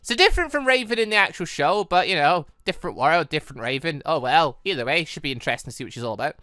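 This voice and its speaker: A man's voice: a little high, animated, fast talker, bright, forceful tone, dry recording. A man hosting a gaming series with casual let's-play commentary, rambling and hesitant as he thinks aloud.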